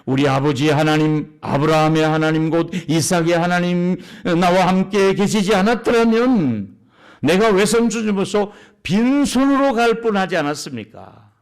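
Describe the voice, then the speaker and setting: A preacher voicing aggrieved Jacob, higher-pitched. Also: male voice, creaky, clean tone. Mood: indignant. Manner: indignant, rapid run of rhetorical questions. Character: aggrieved Jacob, grown man protesting years of unfair treatment.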